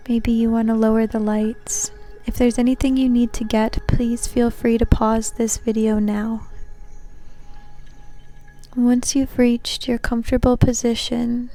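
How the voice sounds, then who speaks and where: Slow, soft-toned woman guiding meditation. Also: on the high side. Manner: soothing, gentle, unhurried. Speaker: meditation guide, host. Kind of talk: guided meditation narration. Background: soft background music.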